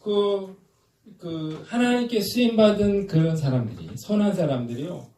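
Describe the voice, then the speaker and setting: A man's voice: sits high, lively intonation, a little slow, warm tone. A male pastor preaching a sermon, talking in a conversational way with many hesitations and leading his congregation in call-and-response. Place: church sanctuary. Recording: roomy church hall, mic at a distance, faint noise.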